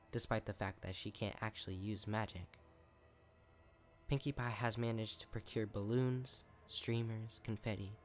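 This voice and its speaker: A man's voice: on the low side, lightly acted. A man voicing a deranged, eager, power-hungry female unicorn pony writing letters, in a chirpy, unhinged manner for a horror story.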